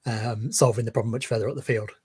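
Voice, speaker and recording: A man with a faintly husky voice, recorded close and dry. He talks football in a measured, thoughtful way, stopping often with ums and uhs as he lines up his points. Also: mid-range voice, steady tone, a little mellow, no echo. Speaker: guest, football fan page creator. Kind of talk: casual interview chat.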